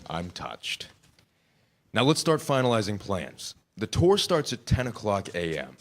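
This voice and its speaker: A man's voice: on the low side, very animated, unhurried. A man playing a fussy, determined amateur burglar in a staged comedy reading, dry and slightly hesitant. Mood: dry, businesslike. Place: live staged reading in a church.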